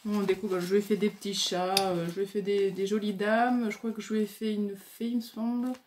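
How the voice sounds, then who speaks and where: A woman's voice: medium pitch, flat delivery, a little fast, noisy background. A woman vlogger casually showing crafts she received by mail, talking hesitantly with many fillers and stumbling over her words.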